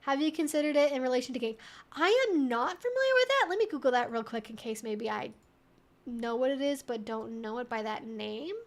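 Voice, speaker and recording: A young woman hosting a casual question-and-answer livestream, talking informally and thinking out loud. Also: high-pitched, expressive, fairly quick. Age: 20s to 30s.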